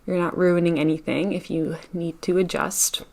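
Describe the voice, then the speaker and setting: A woman with a somewhat low-pitched voice guides a meditation session. She speaks gently and takes her time, breaking her instructions into short phrases with generous pauses between them. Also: fairly even intonation, gravelly.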